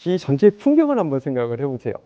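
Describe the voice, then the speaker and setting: A middle-aged man, a Korean teacher, giving a lively lecture to a studio audience and often asking them questions. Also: on the high side, very fast, highs cut off.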